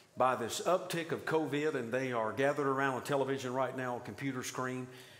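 A man talks at a very fast pace with fairly even intonation. Audible room echo surrounds his voice. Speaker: pastor. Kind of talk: sermon-style welcome address. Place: church. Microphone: headset.

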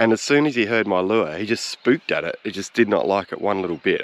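Here a man is talking. The sound is dry, with no echo. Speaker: fishing vlogger. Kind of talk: casual vlog chat. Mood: excited, amazed. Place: waterside.

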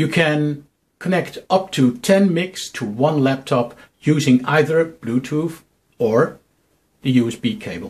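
A man talks at a fairly slow pace, his pitch fairly high. His tone is slightly mellow, with ordinary pitch variation.

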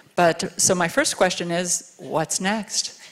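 This woman has an unremarkable speaking voice with a fairly low pitch. She talks at a moderate pace with ordinary pitch variation. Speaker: professor and moderator; professor, moderator. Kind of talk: moderated Q&A. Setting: stage with audience. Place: stage. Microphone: handheld.

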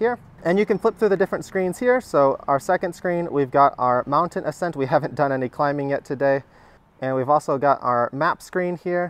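Delivered at a fairly quick pace, the speech has a dry sound with no echo. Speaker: product reviewer. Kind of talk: product review tutorial. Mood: upbeat, relaxed. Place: garden. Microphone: phone near.

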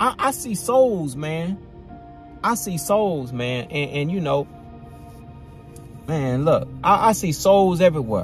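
Faint background music can be heard, and the sound is dry, with no echo. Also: man. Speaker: faith vlogger. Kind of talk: casual motivational preaching. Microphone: phone near.

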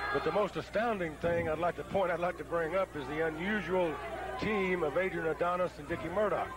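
Speaking with an American accent, a man with a high pitch keeps his intonation fairly even over noticeable background noise. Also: dry sound with no echo. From Texas. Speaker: wrestler turned color commentator. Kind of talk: wrestling color commentary, casual banter. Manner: folksy, joking, emphatic. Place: hall.

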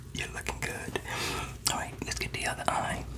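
Whispering, the man keeps to a moderate pace. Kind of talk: casual role-play talk to camera. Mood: warm, encouraging. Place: home room.

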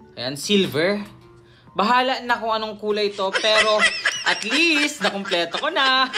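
Fairly slow speech from a man, with music in the background. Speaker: content creator. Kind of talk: casual vlog chat.

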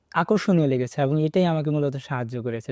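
This man has a dark, mellow tone and a fairly high pitch. His intonation is fairly even. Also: dry, close sound with no echo, very clean recording, silent background. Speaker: university admission test topper. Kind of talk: interview.

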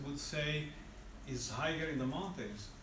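With an Italian accent and a fairly high pitch, a man talks over light background noise in a space with audible room echo. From Italy. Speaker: university lecturer. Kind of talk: lecture. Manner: halting. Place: classroom. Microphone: camera far.

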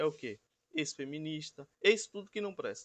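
A man's fairly high voice with lively intonation, over a quiet background. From Brazil. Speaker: YouTuber commentating on public figures. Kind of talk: casual commentary monologue. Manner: halting, many fillers. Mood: critical, sarcastic.

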